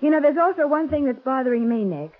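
An actress with an American accent playing a pert, inquisitive detective's assistant in 1940s radio drama style, on a muffled old recording. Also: female voice, high-pitched, lively intonation, fast. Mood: curious.

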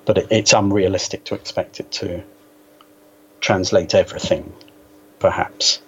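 A man with a fairly low voice talks as a guest in a literary conversation. His delivery is measured and hesitant, with a precise, scholarly bent. The sound is that of a dull internet call with some faint noise. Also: steady tone. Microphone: Skype call.

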